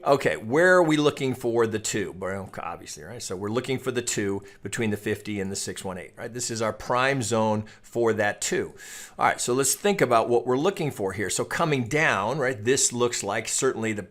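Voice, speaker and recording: Man, medium pitch, trading educator, informal chart commentary, opinionated, conversational, casually profane. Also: animated, moderate pace, fairly bright tone. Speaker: trading educator and market analyst.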